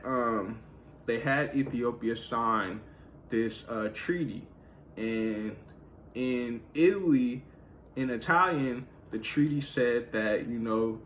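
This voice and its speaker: A man's voice: fairly low pitch, a bit bright, a little hiss or hum, poor audio. A man talking through history in a loose, casual monologue, full of "like" and "you know" fillers. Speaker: history video host.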